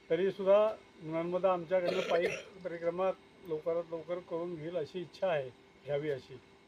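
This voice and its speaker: Noticeable background noise under fairly even intonation. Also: man, high pitch for a man. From Pune, Maharashtra. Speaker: pilgrim. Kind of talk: testimony.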